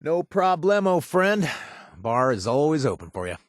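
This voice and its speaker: An actor voicing an easygoing, money-minded bartender ally in a video game, chatty, with lots of little chuckles and filler words. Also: male voice, on the high side, very animated, normal speed, no room sound, clean studio sound. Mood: friendly. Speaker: game companion character. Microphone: close studio mic, dry.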